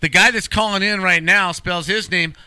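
A man hosting a sports talk show, bantering casually with slang and profanity in an animated, jokey way. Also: high voice, normal speed, clear, resonant tone, dry recording.

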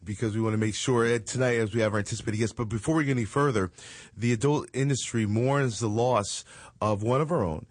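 A man's voice: medium pitch, fast talker, dry recording. Forties guy hosting a talk show, loose and jokey, lots of ums, dead dry mic. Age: 40s. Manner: loose, rambling, joking, with frequent fillers and laughs. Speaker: show host. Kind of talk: casual chat show banter.

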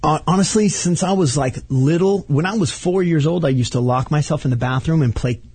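Man, 30, talk show guest, candid storyteller, husky voice, dry close sound. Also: on the high side, fairly quick, darkish tone, no room sound. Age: 30s. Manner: candid, confessional, many "like"s. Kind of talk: casual chat, storytelling.

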